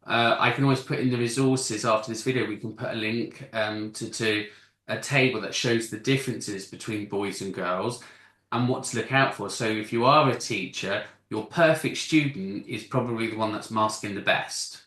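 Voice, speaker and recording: A man's voice: lowish voice, normal speed, a bit bright, roomy sound. A man in a casual panel discussion who explains at length in long stretches, often restarting his sentences. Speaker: panel guest explaining masking.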